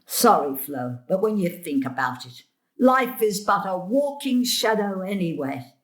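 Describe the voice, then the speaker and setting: A mischievous old grandmother in a stage comedy-drama. She is sarcastic and theatrical, with a sharp tongue and a mid-pitched voice, forever needling her family. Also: big pitch swings, measured pace. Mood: philosophical.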